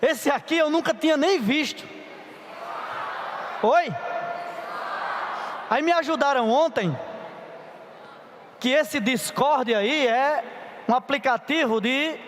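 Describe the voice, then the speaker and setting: A man's voice: very high voice, slow pace, pauses often, fairly bright tone, slight background noise. A middle-aged man, preaching a chatty, playful sermon at a youth conference and asking the audience for help. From Paraíba, Brazil. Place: large conference hall. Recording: reverberant hall.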